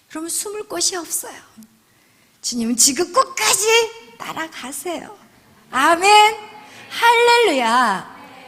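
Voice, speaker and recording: A woman preaching a sermon. Her delivery swings from loud, emphatic lines down to hushed whispers. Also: very high voice. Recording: long hall reverb.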